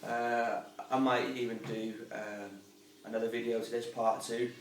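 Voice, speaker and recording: Flat-voiced man talking from across a room. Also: mid-range voice, unhurried, a little hiss or hum. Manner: rambling, informal, chatty. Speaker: aquarium hobbyist and channel host. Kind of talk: casual how-to explanation. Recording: roomy, distant sound with faint ambience.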